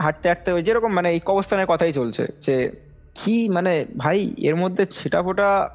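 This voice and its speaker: Here a higher-pitched young man casually relates his own experience over a muffled call. The retelling is lively, repetitive, and meandering, full of acted-out quotes, with music running under the dull lo-fi audio.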